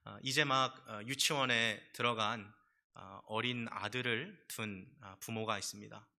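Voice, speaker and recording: Male pastor, middle-aged, sermon delivery; bright, forceful tone, storytelling with emphatic peaks. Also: lowish voice, fairly even intonation, a little slow, creaky. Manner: storytelling with acted quotes, emphatic rises. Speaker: senior pastor.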